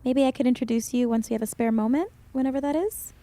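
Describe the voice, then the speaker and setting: A woman acts a gentle adolescent in an audio drama. Her voice is a little high but dark and relaxed in tone. She comes across as sincere and easygoing. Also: quick pace, no room sound, natural voice. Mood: warm, relieved. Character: gentle, caring adolescent with water powers.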